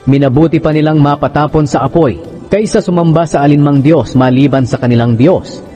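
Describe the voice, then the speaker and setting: A man performs a proud ancient king in a scripture drama. He speaks in a declamatory, commanding way, lifted in pitch, with faint music underneath. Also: fairly quick, mellow, muffled recording, lightly acted. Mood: solemn decree.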